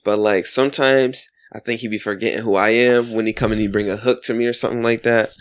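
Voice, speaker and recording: A man with a fairly low voice talks in a relaxed podcast conversation. He rambles loosely and breaks into laughter often as he goes. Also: quick pace, clear, resonant tone. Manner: laid-back, laughing, rambling. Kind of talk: casual podcast chat.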